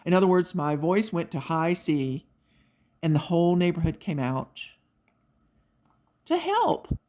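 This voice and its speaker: A middle-aged woman with a slightly low voice hosts a craft session, chatting casually as she works. She tells stories in an animated, chatty way and slips into little quoted voices. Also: normal speed. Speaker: craft video host. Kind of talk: casual chat while diamond painting.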